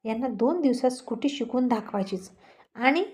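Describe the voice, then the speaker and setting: A woman narrator reading a serialized family story aloud. She has a somewhat high voice and reads with steady, expressive pacing. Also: moderate pace.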